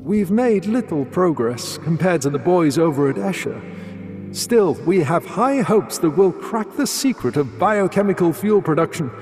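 A woman's voice: on the low side, animated, normal speed, darkish tone, big-room sound, faint music behind, pitched below the performer's own voice, lightly acted. A woman voicing a male wartime scientist in a dry, matter-of-fact tone. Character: male wartime scientist writing a research note. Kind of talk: audio drama narration.

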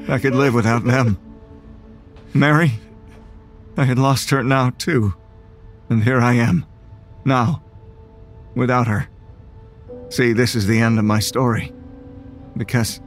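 An actor playing an anxious man who unravels into paranoia, stammering and halting as he narrates. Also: a little high, a bit bright. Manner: halting, stammering, rising to desperate pleading. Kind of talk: audio drama acting with narration.

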